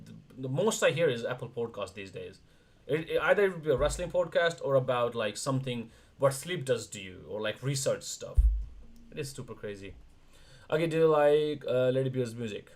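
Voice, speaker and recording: A young man from India chatting casually on a livestream, talking in quick bursts with frequent restarts. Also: medium pitch, animated. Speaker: streamer, wrestler co-host.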